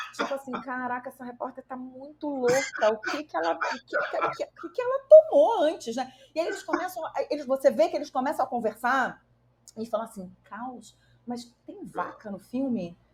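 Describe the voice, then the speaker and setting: A woman with a high voice talks at a moderate pace, her pitch swinging very widely and her loudness rising and falling sharply. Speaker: journalist and announcer. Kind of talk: interview. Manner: animated.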